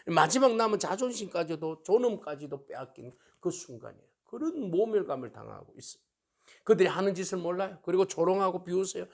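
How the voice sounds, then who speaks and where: A male pastor preaching a sermon in an animated way, often asking his listeners to agree and acting out the taunts of mockers. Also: fairly high pitch, gravelly. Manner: asks the congregation for agreement.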